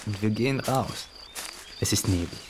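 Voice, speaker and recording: A man's voice: fairly low pitch, moderate pace, noisy background, lightly acted. A man playing a showy, chatty Yugoslav radio host who charms and coaxes his listeners in a theatrical show. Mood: wistful, rousing.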